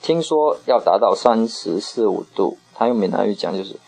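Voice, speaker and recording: A man teaching Hokkien in a casual lesson, patiently repeating phrases slowly for his learner. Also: fairly low pitch, animated, gravelly, darkish tone, husky, rough recording.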